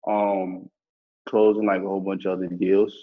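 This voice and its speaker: Slangy husky young man, muffled sound. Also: low voice, level tone, normal speed. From New York. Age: 20s. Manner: slangy, profane, loose and laid-back. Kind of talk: casual interview chat.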